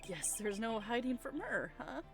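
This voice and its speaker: High-pitched theatrical woman reading game dialogue. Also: animated, moderate pace, vocal fry, a bit bright. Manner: theatrical, playful. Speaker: let's player reading game dialogue aloud. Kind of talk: gaming playthrough with dramatic read-aloud of characters. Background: video game music.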